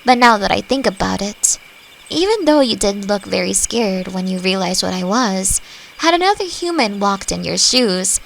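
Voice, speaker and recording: A woman playing a friendly, thoughtful forest elf in a roleplay audio drama, talking gently and reflectively to the listener. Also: medium pitch, expressive, moderate pace, gravelly, low-quality recording. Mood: surprised, thoughtful. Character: friendly, thoughtful female forest elf, long-lived and curious. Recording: faint noise, nighttime forest insect ambience. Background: crickets and forest ambience.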